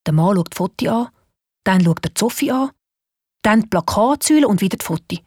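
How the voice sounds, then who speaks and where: Swiss German woman narrator, lively storyteller, breathy and dry-sounding, faint music behind. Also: medium pitch, brisk, dry recording.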